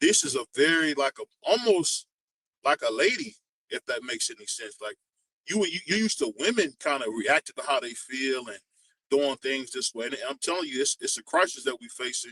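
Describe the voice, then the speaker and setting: A man with an American accent, lively intonation, a bright, sharp tone and a moderate pace. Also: dry, close sound with no echo. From New York City, Brooklyn. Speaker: boxing commentator. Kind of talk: casual chat.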